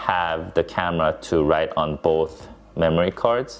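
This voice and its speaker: A man's voice with ordinary pitch variation. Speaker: photographer. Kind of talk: casual talk to camera. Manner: halting, some stuttering.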